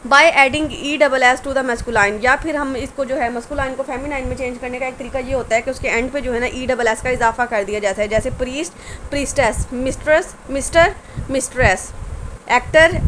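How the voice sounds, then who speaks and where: A woman with a high voice teaches grammar, switching between Hindi-Urdu explanations and slow, careful readings of rules. She runs through long word lists one pair at a time. A faint hiss of noise sits behind her. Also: a bit bright, low-quality recording. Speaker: English teacher. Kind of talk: grammar lesson.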